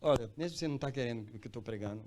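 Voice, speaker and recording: A pastor preaching in church, swinging from quiet talk to loud, high cries and calling listeners brother. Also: male voice, rapid-fire, slight background noise. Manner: addresses listeners as brother, repeats phrases for emphasis. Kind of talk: sermon.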